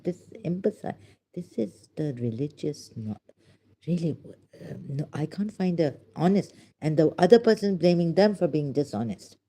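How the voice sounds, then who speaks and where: A woman's voice: low-pitched, mellow. A woman with a Pakistani accent giving rambling, sarcastic religious commentary in broken English. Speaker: vlogger.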